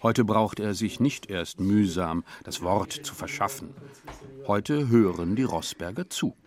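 A man narrating a written story in a measured, descriptive way. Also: fairly low pitch, a little mellow.

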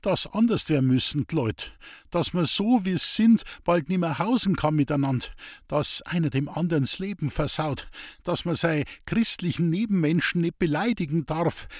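Man voicing a simple Bavarian peasant woodcutter, storybook, raised husky voice, earnest. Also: fairly high pitch, animated, moderate pace, no echo, studio quality, pitched above the performer's own voice. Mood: earnest, pleading. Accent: Bavarian dialect. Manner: eager, pleading, naive. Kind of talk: audiobook character voice.

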